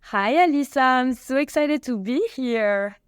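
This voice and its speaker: A woman in her thirties from Belgium with a Belgian accent, chatty and animated as she answers interview questions. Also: high-pitched, a little slow, smooth, no echo, studio quality. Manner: chatty, animated storytelling with restarts. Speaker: company co-founder and CEO.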